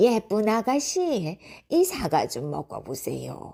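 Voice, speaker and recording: A woman's put-on character voice, fairly high in pitch with very wide pitch swings. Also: fairly slow pace. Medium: read story. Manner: falsely sweet, coaxing.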